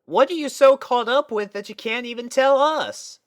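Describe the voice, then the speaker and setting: A woman's voice: on the high side, normal speed, voice pushed up, natural voice. A woman voicing a sweet young farm filly in a story reading, earnest and eager to help. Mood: concerned, eager.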